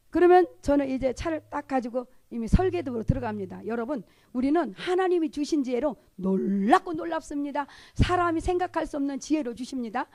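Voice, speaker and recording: A woman with a Chungcheong Korean accent, giving an animated sermon testimony in church and acting out the conversations she describes. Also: high-pitched, no room sound. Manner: animated, acts out dialogue in different voices.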